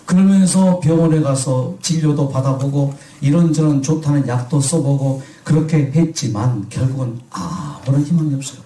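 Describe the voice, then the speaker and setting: Pastor preaching in an echoey hall. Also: male voice, fairly high pitch, normal speed, hardly any pauses, warm tone, far from the mic. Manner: asks the congregation questions and answers himself. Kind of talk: sermon.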